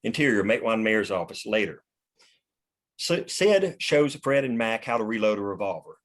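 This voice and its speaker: A man with a fairly low voice reads scene headings and action lines. His scripted narration is matter-of-fact, as at a screenplay table read. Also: expressive, moderate pace. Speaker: stage-direction narrator.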